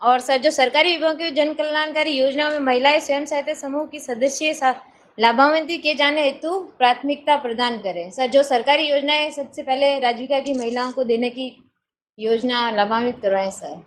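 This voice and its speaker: A woman's voice: high voice, moderate pace, slight background noise. A woman from a self-help group making polite, formal suggestions on a video call. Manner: polite, keeps saying sir.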